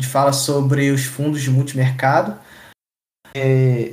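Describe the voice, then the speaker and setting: At a fairly slow pace, a man talks in a normal speaking voice pitched fairly high. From Brazil, Nova Friburgo (Rio de Janeiro mountain region). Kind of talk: casual interview.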